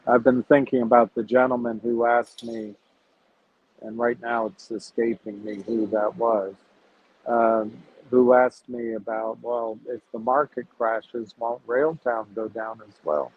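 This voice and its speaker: A man hosting a casual livestream about investing, talking to his viewers in a measured, reflective way as he thinks aloud. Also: medium pitch, flat delivery, slight background noise. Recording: tinny phone-like sound.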